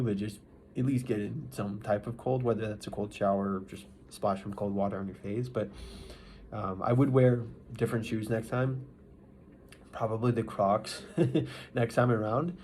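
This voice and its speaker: Low-voiced man rambling over background noise. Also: fairly even intonation, a little mellow. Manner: rambling, halting delivery with mid-thought restarts. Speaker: vlogger. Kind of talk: casual unscripted recap to camera. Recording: noisy ambient background.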